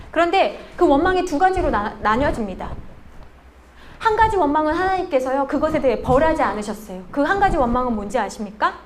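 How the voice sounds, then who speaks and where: A woman's voice: sits high, a little hiss or hum. A young woman preaching a sermon who asks the congregation questions and acts out the voices of the people she quotes.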